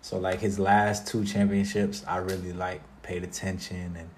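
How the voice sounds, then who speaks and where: A young man from South Florida, a guest music artist talking about his life in a relaxed interview, with many fillers. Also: sits low, normal speed, a little hiss or hum. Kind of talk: casual interview conversation.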